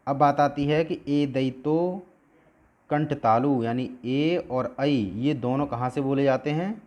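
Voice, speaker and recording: A man teaching a lesson at a board, speaking in a steady mid-range voice. He poses questions to his listeners and then answers them himself. He stretches out single sounds slowly to demonstrate how each one is pronounced. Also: medium pitch, highs cut off.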